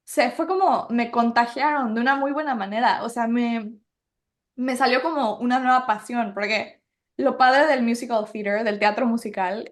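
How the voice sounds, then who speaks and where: A young woman with a Mexican Spanish accent talks as a podcast guest, animated and chatty. Her voice sits a bit high, and she leans on fillers as she tells her stories. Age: young adult. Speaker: guest actress. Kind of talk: casual podcast chat.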